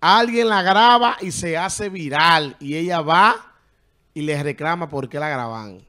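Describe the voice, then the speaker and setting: Male co-host, higher-pitched, excitable, talks over his partner. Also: measured pace. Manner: exclaiming, talks over others. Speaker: talk show host. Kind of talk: excited casual chat.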